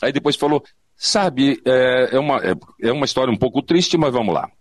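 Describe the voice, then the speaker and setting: A man's voice: mid-range voice, brisk, no echo. An older Brazilian man telling anecdotes casually as an interview guest, repeating phrases for emphasis and acting out what people said. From São Paulo, Brazil. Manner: animated, acts out quoted speech, repeats phrases for emphasis. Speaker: interview guest, veteran of advertising audio and voice work. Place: remote online conversation.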